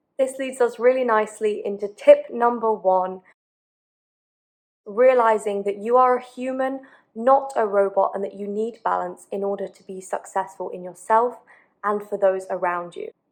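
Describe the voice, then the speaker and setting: A woman with an English accent, fairly high pitch and fairly even intonation, at a moderate pace. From England. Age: young. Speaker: prospective medical student. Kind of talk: advice talk to camera.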